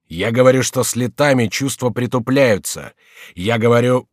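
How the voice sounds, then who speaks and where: A man's voice: mid-range voice, normal speed, no room sound, studio quality, lightly acted. A man voicing a volatile, anguished adult male king in a storybook reading. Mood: agitated. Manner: agitated, imploring, wrathful.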